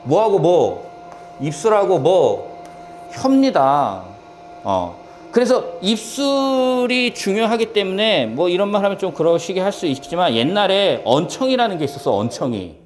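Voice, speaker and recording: A male lecturer with a fairly high voice that swoops up and down as he teaches. He keeps asking rhetorical questions and answering them himself, and he repeats key points for emphasis. At the ends of phrases he often drops into a quiet aside. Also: big pitch swings, a little slow, a little hiss or hum. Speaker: civil service exam Korean lecturer.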